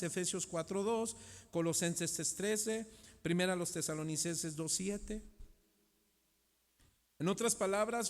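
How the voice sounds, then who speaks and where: A middle-aged man with a Mexican accent preaches a sermon in a church hall. His voice sits high and rings out with long reverb, and he keeps turning to the congregation with rhetorical questions, swinging from loud to hushed. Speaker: pastor.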